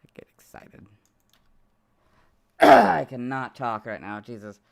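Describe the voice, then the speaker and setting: Hoarse man muttering while editing. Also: mid-range voice, wildly swooping pitch, takes it slowly, dry recording. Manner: mutters to himself while working, apologetic asides. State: hoarse, losing his voice. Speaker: video creator streaming his editing. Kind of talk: casual livestream chat while editing. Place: home room, hot.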